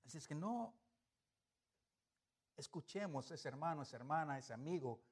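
A man preaching a sermon, animated, swinging between loud emphasis and soft asides, asking the congregation rhetorical questions. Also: fairly high pitch, normal speed, breathy edge.

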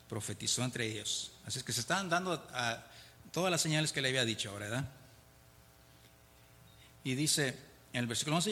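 A man's voice: mid-range voice, sharp tone, slight background noise. A man teaching a Bible study in a conversational way, reading verses aloud and explaining them, often checking in with his listeners. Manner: conversational, often asks "¿verdad?", chuckles between points. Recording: reverberant hall.

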